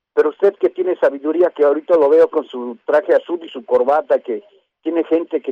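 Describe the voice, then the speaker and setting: Someone with a Mexican accent talks at a fairly quick pace. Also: man. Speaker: caller. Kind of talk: casual chat. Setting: phone call. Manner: halting.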